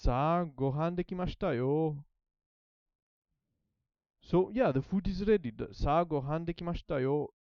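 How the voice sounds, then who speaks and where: He speaks briskly in a high-leaning voice, leaving long pauses, and the audio has its highs cut off plus slight background noise. In a casual study vlog, this non-native Japanese learner thinks out loud, hesitantly repeating phrases while he translates them.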